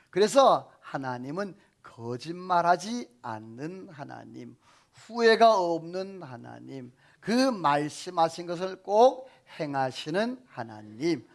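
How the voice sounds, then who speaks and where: A man's voice: a little high, gravelly. A senior pastor preaching a sermon, quizzing his congregation with questions they answer back. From South Korea.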